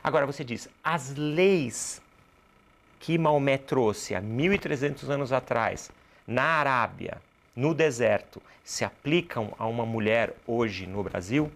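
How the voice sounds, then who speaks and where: A Brazilian man gives explanatory answers as a guest in an interview. His pitch sits in a medium range. He builds his points like a teacher, posing questions and then answering them himself. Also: animated, a little slow, creaky, fairly bright tone. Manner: didactic, poses rhetorical questions and answers them. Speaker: interview guest, cultural producer and activist.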